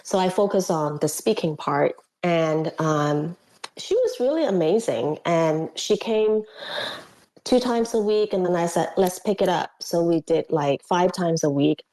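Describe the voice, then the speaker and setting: Lively woman guest. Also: lowish voice, a little slow, low-quality recording. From Hong Kong. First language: Cantonese. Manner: animated, acts out quotes, laughs often, frequent fillers. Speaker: guest, former missionary. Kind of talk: casual interview storytelling.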